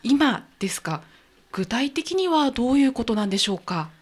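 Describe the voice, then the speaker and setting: A woman hosting a community radio interview, asking questions in a lively, friendly way. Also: on the high side, normal speed. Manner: lively, bright interviewer with frequent laughs. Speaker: radio host.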